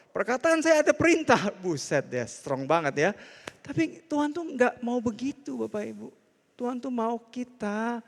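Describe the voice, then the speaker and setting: A man's voice: very high voice, vocal fry. A middle-aged man, preaching a casual, jokey sermon as a pastor. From Indonesia. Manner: animated, conversational, jokey. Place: church hall. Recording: hall reverb.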